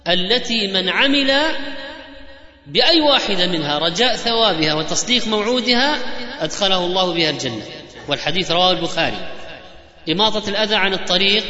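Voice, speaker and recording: A man giving a religious lecture, rattling off quoted sayings in a lively preaching cadence. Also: high-pitched. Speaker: Islamic preacher. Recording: echoey hall, dull lo-fi sound.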